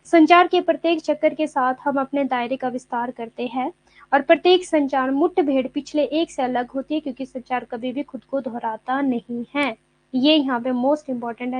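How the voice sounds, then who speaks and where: A woman teaching an online exam-prep lecture. She explains by repeating words and reads English notes slowly. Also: high voice, dull audio.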